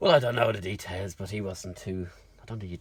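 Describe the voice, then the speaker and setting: A man with a North Dublin accent speaks in a very deep, low, somewhat breathy voice with fairly even intonation. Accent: North Dublin Irish. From Ireland, North County Dublin. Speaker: coach driver. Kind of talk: interview. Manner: terse.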